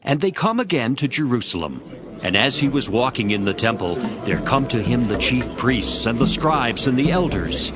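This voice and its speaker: Expressive man narrating scripture over music. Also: mid-range voice, moderate pace.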